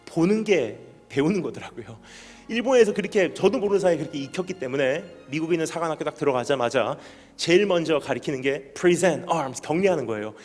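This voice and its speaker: A man preaching a sermon as a missionary at a special church meeting. He keeps asking the congregation questions and swings from loud emphatic bursts to quiet, low lines. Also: in a large hall. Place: church hall.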